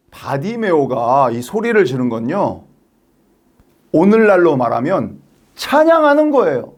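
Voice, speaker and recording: A man preaching a sermon to teenagers, telling the story in an animated way and acting out its scenes. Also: on the high side. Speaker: youth pastor. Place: church.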